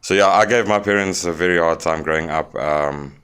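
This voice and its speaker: Man, South African accent, deep, smooth, halting, candid podcast guest. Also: a bit bright. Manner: plain-spoken, halting with fillers. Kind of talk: candid interview storytelling.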